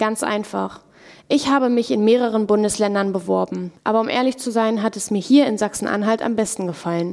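The pace here is fairly quick. It is a normal speaking voice with ordinary pitch variation. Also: woman, fairly high pitch for a woman. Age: 20s. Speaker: police cadet and podcast host. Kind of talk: scripted narration.

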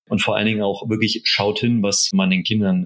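Delivered at a fairly quick pace, a normal speaking voice keeps fairly even intonation. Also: man. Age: 30s. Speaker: podcast host. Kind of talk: casual chat.

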